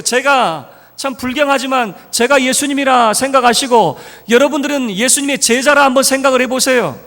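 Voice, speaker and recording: A man preaching a sermon with a high, bright, sharp-edged voice. He plays out the lines of the people in his story with shifting voices. A long hall reverb hangs behind every word, as in a large church sanctuary. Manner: acts out dialogue of biblical figures in changing voices. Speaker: pastor.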